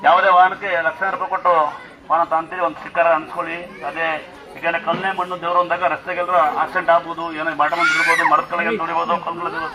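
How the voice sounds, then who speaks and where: A man with a Kannada accent, a temple priest instructing and blessing devotees at a fast, forceful pace. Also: fairly high pitch, flat delivery, background noise. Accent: Kannada, Karnataka. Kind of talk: loud public address to devotees. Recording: loud crowd behind.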